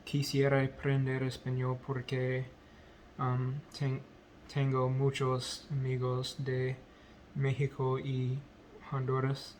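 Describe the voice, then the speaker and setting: A man with English as his first language talks haltingly through a language-practice vlog. He speaks at a very slow, even pace with a flat, unvarying pitch. He fills gaps with ums and corrects himself often, over a faint hiss of background noise. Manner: hesitant, many ums and self-corrections. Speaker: language learner vlogger. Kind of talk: halting unscripted speech practice.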